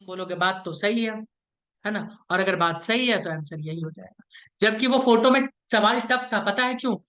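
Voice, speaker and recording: This online-class teacher has a high-pitched, bright voice with a forceful tone and speaks at normal speed. He breaks things down step by step, playfully teasing his students and often asking "right?" to see if they follow.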